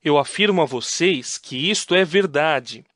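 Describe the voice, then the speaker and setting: A man playing Jesus, a grown man who teaches with authority in an audio Bible drama, with an earnest, lively delivery. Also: a little high, a little slow, no room sound, clean studio sound. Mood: teaching. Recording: music playing underneath.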